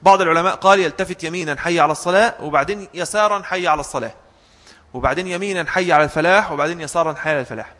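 A man's voice: on the high side, very fast, fairly bright tone. A man teaching a religious lesson. He switches between formal Arabic and everyday asides and chants short phrases to show how they should sound. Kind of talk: classroom fiqh lesson. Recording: long hall reverb.

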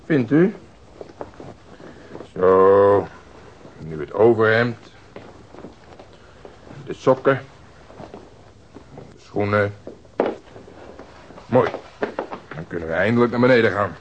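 An actor playing a brash, sardonic police detective in a radio drama, blunt and commanding. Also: male voice, fairly low pitch, lively intonation, slow, long pauses. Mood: dry, bossy. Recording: muffled, noisy old radio drama recording.

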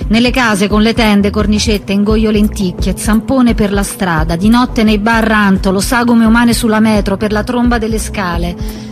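An actress playing a lonely, closeted lesbian who confesses in raw, fragmentary stage monologue. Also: female voice, mid-range voice, fairly even intonation, normal speed, lightly acted. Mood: anguished, self-loathing. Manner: clipped fragmentary phrases, raw and intense. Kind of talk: theatrical monologue, stream of consciousness. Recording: music behind the voice.

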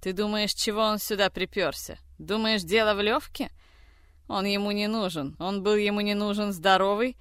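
Figure: furious man voiced by a reader. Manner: shouting, harsh, accusing. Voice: smooth and clear, louder and higher than the narration. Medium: audiobook. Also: steady tone, normal speed, no echo, clean studio sound, close to an everyday voice. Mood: enraged. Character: furious man, a general's grandson, lashing out.

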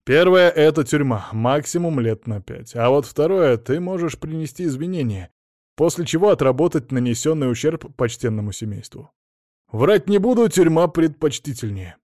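A man reads the part of a blunt middle-aged lawyer who speaks frankly and matter-of-factly with a faint mocking edge, in a wry mood. His lightly acted voice is pitched higher than his own, with lively intonation, a moderate pace and a slightly mellow quality. The studio-quality recording has no room sound.

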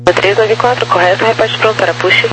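A Brazilian man working as an air traffic controller, giving procedural clearances over a radio transmission. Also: sits high, fairly even intonation, fast talker. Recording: noisy humming aviation radio channel.

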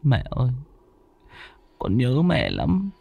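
A man's voice: mid-range voice, wildly swooping pitch, unhurried, gravelly, warm tone, slightly rough, no echo, heavily acted. A man voicing a grieving young man who calls out tearfully, pleading with his dead mother.

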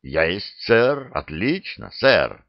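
Guy doing a blunt old army vet, lowish voice that swings around a lot, kinda dull dry sound. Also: big pitch swings, drawn-out words, gravelly, no echo, exaggerated voice. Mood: wry. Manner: dry, self-deprecating soldier's talk. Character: older male veteran soldier, wry and blunt. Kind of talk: audiobook character reading.

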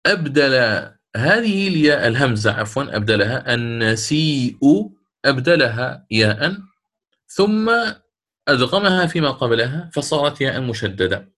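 A man teaches Quran recitation rules in an even, mid-pitched voice. He draws out the quoted verses in a slow chant, then explains them at a brisk pace. He often corrects himself along the way. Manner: frequent self-corrections and fillers.

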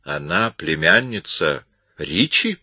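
A man voicing a brutal, menacing man who speaks slowly and threateningly. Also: low-pitched, lively intonation, pushed and bright, breathy edge, no room sound, heavily acted. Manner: threatening, slow and heavy.

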